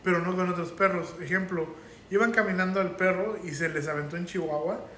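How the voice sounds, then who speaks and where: A man's voice: high voice, brisk, echoey room, a little hiss or hum. A man from Mexico with a Mexican Spanish accent, telling anecdotes animatedly in casual podcast chat. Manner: animated storyteller.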